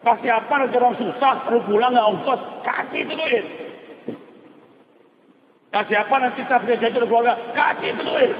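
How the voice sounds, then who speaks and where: Folksy joking preacher with an Acehnese accent. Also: male voice, sits high. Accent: Acehnese Indonesian. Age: older. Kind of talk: humorous sermon. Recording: echoey hall, muffled, noisy.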